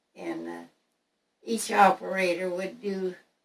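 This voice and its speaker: This woman speaks at a medium pitch with a Tennessee accent. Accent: Southern US, Tennessee. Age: 80s+. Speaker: elderly woman recalling her life. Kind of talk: oral history interview. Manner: halting.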